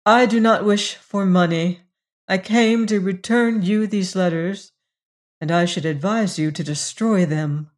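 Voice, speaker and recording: A proud young gypsy woman of the slums, as a woman narrator plays her in a storybook reading. She speaks gravely and curtly, keeping herself in check with noble scorn. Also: mid-range voice, unhurried, darkish tone, close to an everyday voice. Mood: controlled, calm. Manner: curt, grave, self-controlled.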